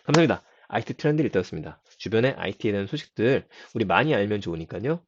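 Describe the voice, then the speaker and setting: A man with a low, slightly hoarse voice hosts a daily tech news segment, talking quickly and with a lively, rising-and-falling delivery. The recording is dry and a bit dull. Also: no room sound. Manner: chatty, explains to listeners with asides. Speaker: host of a daily IT news show. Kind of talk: casual spoken IT news commentary.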